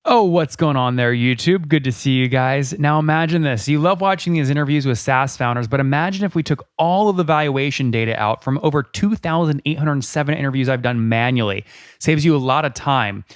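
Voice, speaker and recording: Brisk, pushy male host, dry sound. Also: medium pitch, clear, resonant tone, no room sound. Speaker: podcast host. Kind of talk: fast sales pitch and interview questions.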